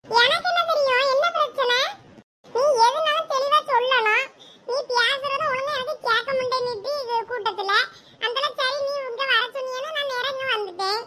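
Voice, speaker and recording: A woman's voice: extremely high pitch, moderate pace, bright, forceful tone, voice pushed up. A woman with a Thoothukudi Tamil accent voicing a young village son in a cartoon, questioning and pleading with his mother. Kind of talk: cartoon voice acting.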